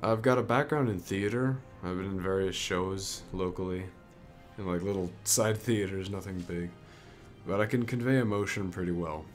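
Amateur male voice actor, low pitch, casual self-deprecating demo intro, music behind. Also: normal speed.

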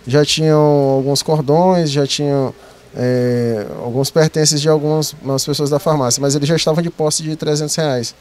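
Cop guy being interviewed, formal wording, fairly high voice, masked, handheld mic. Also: fairly even intonation, normal speed, a little mellow. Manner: formal police wording, frequent tag questions. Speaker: military police officer being interviewed. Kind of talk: interview account of an incident. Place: night, sheltered entrance outside a police station. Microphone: handheld mic, speaking through a cloth mask.

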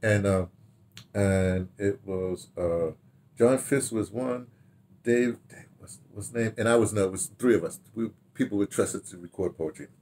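An older man telling stories casually to camera in an animated, rambling way, repeating himself and trailing into asides. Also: fairly low pitch, moderate pace, a little hiss or hum. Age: older, 60s or 70s. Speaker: radio drama director reminiscing. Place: small home study, indoors.

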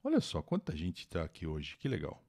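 A man's voice: deep voice, huge pitch swings, fairly quick, a little mellow. A man from Brazil hosting a live-streamed English lesson, reading an article aloud, translating it and greeting viewers by name. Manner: chatty, greets viewers by name, explains words and pronunciations. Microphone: new microphone.

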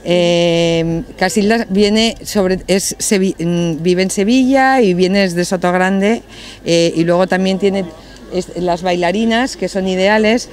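A woman's voice: lowish voice, takes it slowly. A woman organizing an outdoor market, presenting stalls casually with eager praise and frequent hesitations. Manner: enthusiastic, hesitant fillers, repeats words. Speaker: market organizer guiding the tour.

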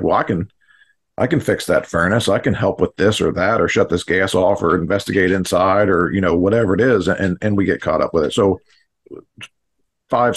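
A middle-aged American man with a husky voice, explaining his work in an interview over a video call. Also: sits low. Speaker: fire command instructor and podcast guest. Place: small indoor home studio, on a video call. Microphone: studio mic on boom arm.

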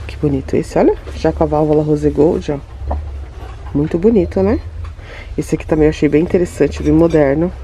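A Brazilian woman vlogs her walk through a home goods store, gushing over products and tossing chatty asides to her viewers. Her voice is low and mellow with fairly even intonation at a normal speed, and there's slight background noise.

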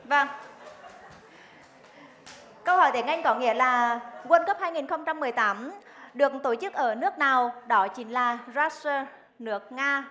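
A woman's voice: sits high, moderate pace, fairly bright tone. A young woman hosting a game show, reading quiz questions in a formal, articulate way into a headset microphone. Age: young adult. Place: TV studio stage.

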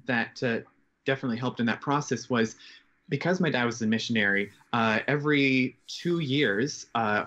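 A man in his twenties from Canada and Japan, talking reflectively and haltingly as a guest in a casual interview. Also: medium pitch, a bit bright. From grew up in Japan, Canadian. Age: 20s. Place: bedroom at home. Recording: slightly dull, band-limited video call.

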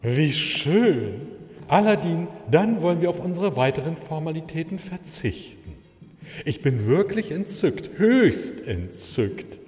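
Lively, courtly maharaja played by a man. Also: fairly high pitch, measured pace, faint music behind. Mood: delighted, gracious. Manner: courtly, flowery politeness. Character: delighted, gracious male maharaja, courtly ruler. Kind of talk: comic fairy-tale audio drama acting. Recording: long hall reverb.

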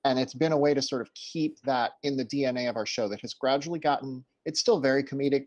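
Male panelist, medium pitch, conversational explainer, remote call. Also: a little mellow, poor audio. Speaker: panelist, podcast creator. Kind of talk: casual panel discussion. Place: indoor room, video call.

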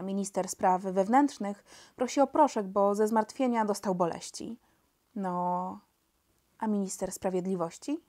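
A woman narrating a children's audiobook with expressive storytelling. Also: mid-range voice.

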